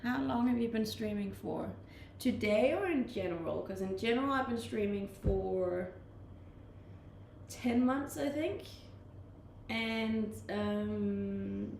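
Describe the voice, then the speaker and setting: A woman's voice: mid-range voice, measured pace, gravelly, a little mellow. Laid-back Danish-accented woman streamer. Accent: slight Danish, mixed from living abroad. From Denmark. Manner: laid-back, chatty, often laughing. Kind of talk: casual chat reading live comments. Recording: echoey room, faint ambient noise.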